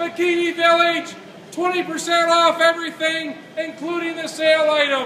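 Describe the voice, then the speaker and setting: A man's raised, projected voice holds a monotone, flat intonation at a fairly slow pace. Audible room echo and light background noise fill the space around him. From Canada, Kitchener. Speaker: town crier. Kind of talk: town crier mall announcement of store deals. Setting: shopping mall, public announcement. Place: shop. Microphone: camera far.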